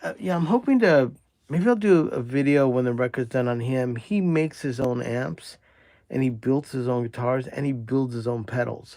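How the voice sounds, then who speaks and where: On a very clean recording with a silent background, a man with a plain, everyday voice speaks at a moderate pace and medium pitch, with ordinary pitch variation. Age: 50s. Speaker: ribbon microphone repairer and recording engineer. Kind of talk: casual live stream chat. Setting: studio. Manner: rambling, conversational with fillers.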